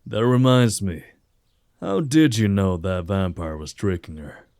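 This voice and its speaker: A man's voice: low voice, very animated, unhurried, darkish tone, no echo, clean studio sound, heavily acted. A man voicing an easygoing werewolf friend. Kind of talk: fan audio drama acting.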